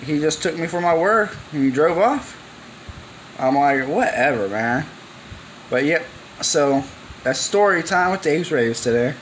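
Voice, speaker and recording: Slangy young man, higher-pitched, noisy recording. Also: animated, a little slow, a bit bright. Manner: slangy, informal, acts out quoted exchanges. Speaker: vlogger. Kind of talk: casual rambling storytelling to camera. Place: cluttered garage, indoors.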